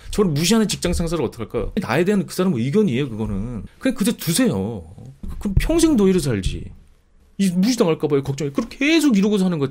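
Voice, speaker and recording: Fast, lively impassioned male talker. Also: fairly high pitch. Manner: animated, mock-quoting others in whiny voices, scolding. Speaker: video creator answering viewer comments. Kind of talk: impassioned advice monologue.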